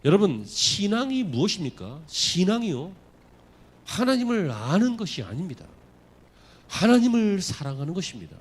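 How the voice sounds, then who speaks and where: Animated male pastor preaching. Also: high-pitched, normal speed, husky. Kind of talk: sermon. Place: church sanctuary.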